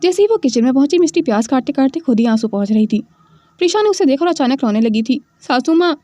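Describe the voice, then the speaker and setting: A woman narrating a scripted audio story in an expressive, dramatic way. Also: sits high, fast, dry recording.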